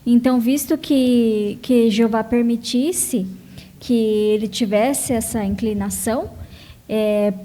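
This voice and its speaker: A woman with a slightly high, dark voice gives a comment at a Bible study. She speaks thoughtfully, with small hesitations. The sound has a long hall reverb. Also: steady tone, takes it slowly. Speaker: congregation member commenting.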